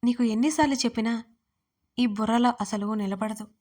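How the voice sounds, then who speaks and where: A woman voicing a teasing but quick-tempered young husband in a romantic audio story, with teasing and then sharply scolding lines. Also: fairly high pitch, fairly even intonation, natural voice.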